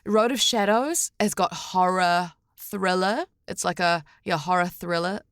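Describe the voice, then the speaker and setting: Low-pitched woman chatting as podcast guest. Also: a little slow, a bit bright, dry recording, studio quality. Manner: chatty, explanatory, self-correcting. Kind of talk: casual interview talk.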